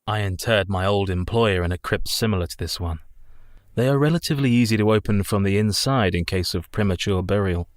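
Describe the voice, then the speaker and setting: Man voicing a grim young solicitor, terse, very deep, dry sound. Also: brisk, dry recording, natural voice. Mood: somber. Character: Jonathan Harker, grim young male solicitor.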